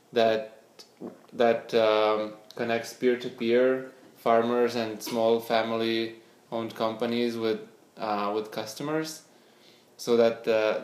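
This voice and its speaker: A young man from Lithuania, answering interview questions hesitantly, often repeating words as he searches for them. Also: fairly low pitch. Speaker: interview guest, scientist and startup founder. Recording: echoey room.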